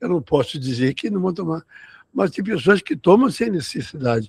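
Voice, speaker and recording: A man's high voice, recorded dry and close with no echo, swings very widely in pitch. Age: 80s+. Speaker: pharmacist, participant in spiritist study group. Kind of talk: group discussion comment. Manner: halting, repeating words.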